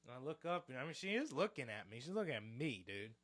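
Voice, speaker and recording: A man co-hosting a podcast, telling a story in casual chat, animated and profane, acting out the quotes. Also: medium pitch, fast, no echo. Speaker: podcast co-host.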